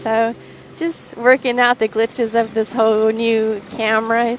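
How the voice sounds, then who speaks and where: A woman talks at a fairly slow pace. The sound is dry with no echo, and there is light background noise. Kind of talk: casual vlog chat. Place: motorbike. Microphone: helmet.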